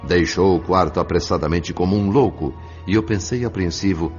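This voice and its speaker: A man's voice: deep voice, normal speed, darkish tone, natural voice. A man playing a compassionate, grave spirit guide, narrating a Brazilian radio drama in a solemn, formal manner. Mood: apprehensive. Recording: slightly muffled, music underneath.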